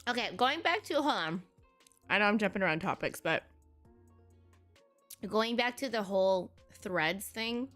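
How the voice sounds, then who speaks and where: A woman's voice: mid-range voice, expressive, a little slow, long pauses, a bit bright, faint music behind. A woman of Filipino heritage chatting casually on a live stream, blunt and profane with frequent laughter.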